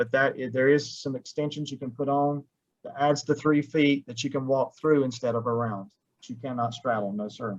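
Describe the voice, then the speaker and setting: A man with a Southern US accent, medium pitch, fairly even intonation and big swings in loudness. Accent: Southern drawl. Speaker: ladder safety trainer. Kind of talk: webinar presentation and Q&A. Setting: online webinar.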